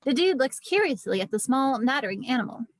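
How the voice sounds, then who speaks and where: A woman's voice: high-pitched, very animated, brisk, no room sound. A woman narrating scripted stage directions at an amateur table read.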